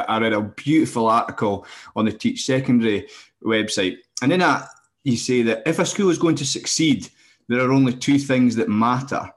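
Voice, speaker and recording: A man with a northeast Scottish accent interviewing a guest, polite and hesitant, with many fillers and restarts. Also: medium pitch. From northeast Scotland. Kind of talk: interview hosting.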